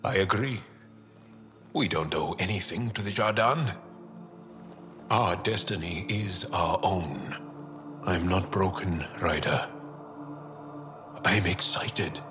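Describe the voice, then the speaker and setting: A man playing a thoughtful, earnest alien resistance fighter in a video game, speaking reflectively with pauses. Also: low-pitched, music in the background. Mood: hopeful excitement. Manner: measured, reflective, pausing.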